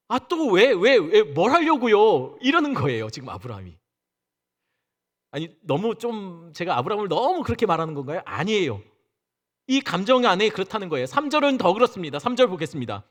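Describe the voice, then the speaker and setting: A man's voice: high voice, a bit bright. A male senior pastor preaching a Sunday sermon in a church sanctuary, talking conversationally and asking the congregation questions. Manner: conversational, asks the congregation questions and acts out quotes.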